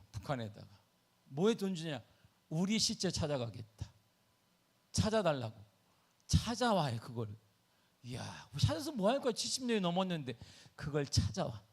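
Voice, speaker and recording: A man preaching a sermon to his congregation, animated, asking them questions and answering himself. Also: sits high. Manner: sings hymn lines slowly in the middle of talking. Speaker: pastor. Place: church sanctuary.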